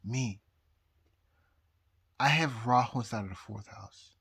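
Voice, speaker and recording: A very drunk man rambling casually to viewers, halting and repeating himself as he loses his thread. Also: medium pitch, vocal fry, fairly bright tone, slightly rough. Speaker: amateur astrologer vlogger.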